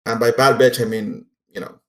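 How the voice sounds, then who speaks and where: A man's voice: medium pitch, steady tone, fairly quick. Casual male game master in an echoey room. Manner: casual, profane. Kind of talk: narrating a tabletop role-playing game. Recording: roomy echo, faint music behind.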